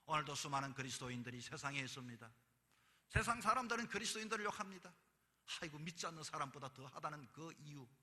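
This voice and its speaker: A man's voice: high-pitched, sharp tone. A male pastor, preaching a sermon in emphatic bursts, recorded in a church. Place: church sanctuary. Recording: long reverb of a church hall.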